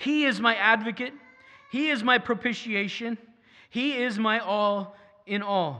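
A raised, projected voice with a bright, sharp tone moves at a fairly slow pace with ordinary pitch variation and long, frequent pauses. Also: man, high pitch for a man. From Saskatchewan, Canada. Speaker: pastor. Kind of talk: sermon. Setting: church. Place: church. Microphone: headset.

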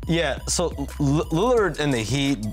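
A man speaks over faint background music. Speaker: NBA insider co-host. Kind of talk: commentary. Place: studio. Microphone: lapel.

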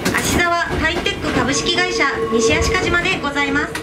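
A woman talks while loud noise fills the background. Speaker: train announcement voice. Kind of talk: train station announcement. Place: train. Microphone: pa.

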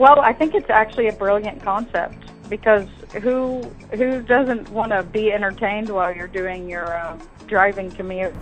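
Over faint background music, a woman speaks with ordinary pitch variation. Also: moderate pace, big swings in loudness. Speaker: guest. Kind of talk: interview answer. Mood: friendly, upbeat. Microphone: phone line.

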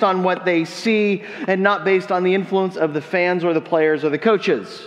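A man speaks in a high pitch with fairly even intonation. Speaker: lead minister. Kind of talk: sermon. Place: church.

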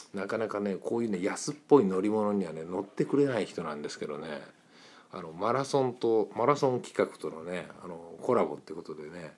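Speaking fairly quickly in a Kansai accent, the voice has lively intonation and big swings in loudness. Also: man, fairly low pitch for a man. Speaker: motorcycle touring vlogger. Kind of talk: casual narration over photos. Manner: relaxed, chatty.

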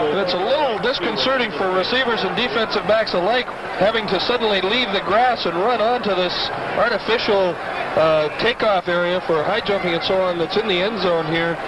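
A man with a high voice talks at a fairly quick pace with ordinary pitch variation over noticeable background noise. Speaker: color commentator analysing plays. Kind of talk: live sports commentary, analyst remarks. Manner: brisk, conversational, explanatory between plays. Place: stadium.

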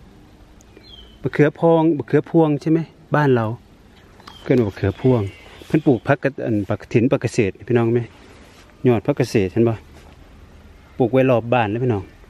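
A man's voice with ordinary pitch variation, in a dry sound with no echo. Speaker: vlogger showing family garden. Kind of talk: casual vlog chat. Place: garden. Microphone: phone near.

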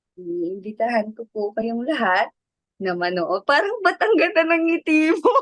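At a moderate pace, a woman with a fairly high voice makes very wide pitch swings, recorded with a dry, close sound and no echo. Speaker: actress. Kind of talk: casual chat.

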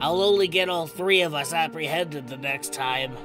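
A man performs a put-on character voice. Clear music plays in the background. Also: fairly high pitch for a man, moderate pace. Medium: dub. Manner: stammering, formal.

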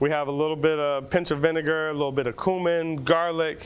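Speaking in a monotone, flat intonation, a man keeps to a moderate pace. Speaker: TV chef host. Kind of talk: cooking tutorial. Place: studio. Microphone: lapel.

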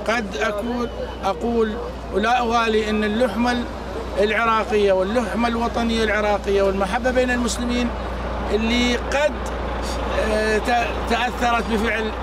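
Crowd noise fills the background as a man talks at a moderate pace with long, frequent pauses, the sound dry with no echo. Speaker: interviewee. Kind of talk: interview answer. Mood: earnest, prayerful near the end. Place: street. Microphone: handheld.

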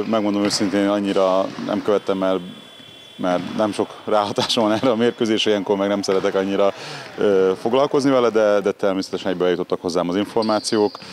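There is light background noise, but the sound is dry with no echo. A man with a fairly low pitch speaks at a fairly quick pace. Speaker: basketball coach. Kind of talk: interview. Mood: calm, relieved. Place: hall.

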